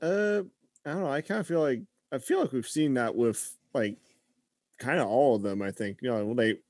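Man co-host, mid pitch, hesitant filler-heavy talker, dry recording. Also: normal speed, darkish tone, dry recording. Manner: hesitant, lots of "like" and "you know". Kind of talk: casual brainstorming chat.

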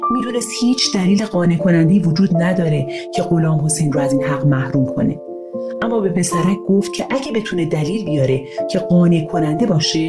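Woman calmly narrating a children's story. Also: sits low. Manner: calm, even storytelling. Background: guitar music.

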